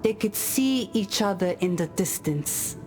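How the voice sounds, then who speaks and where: An actress playing a solemn tribal woman who tells ancestral fables in a measured, grave, deliberate way for a video game. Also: medium pitch, expressive, darkish tone, soft background music, lightly acted, rough recording. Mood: solemn, reverent. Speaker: game character storyteller. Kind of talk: scripted storytelling of parables.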